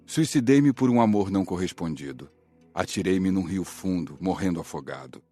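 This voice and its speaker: A very deep, mellow male spirit played by a man speaks in somber confession. He sounds full of sorrow, as in an audiobook drama with music. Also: lively intonation, moderate pace. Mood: grave, regretful.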